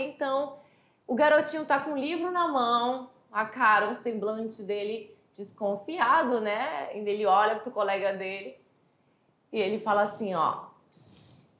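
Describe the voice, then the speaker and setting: A Brazilian woman teacher giving a lively exam review lesson, chatty, slowing down to read English phrases aloud. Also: a little high, echoey room. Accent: Brazilian Portuguese. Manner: animated, chatty, reads English quotes slowly.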